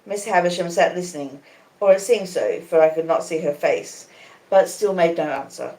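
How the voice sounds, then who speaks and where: Low-voiced Australian woman narrating, echoey. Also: normal speed, darkish tone. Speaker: audiobook reader. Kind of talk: live dramatic reading of a classic novel, narration. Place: conservatory in a small cottage. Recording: echoey room.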